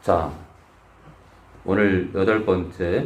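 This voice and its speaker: Audible room echo surrounds a man speaking at a very slow pace in a very deep, low pitch. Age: 50s. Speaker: pastor. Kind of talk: sermon.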